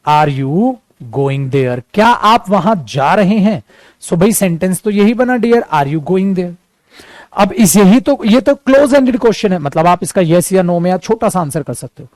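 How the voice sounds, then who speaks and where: A lively male teacher from India runs a spoken English lesson, mixing Hindi and English as he talks to his students like friends. His voice sits fairly high, and he drags out each English example sentence slowly so the class can follow. The sound is dry and close, with no room echo. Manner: switches freely between Hindi and English, addresses students as friends. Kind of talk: classroom lesson, explaining at a board.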